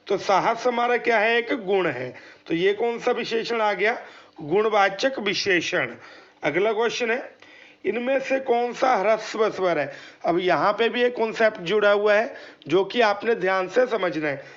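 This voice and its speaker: With an animated, high, slightly bright voice at a measured pace, a man teaches an exam prep lesson on lo-fi audio. He explains step by step, fields his own questions, sounds out letters, and calls listeners friends.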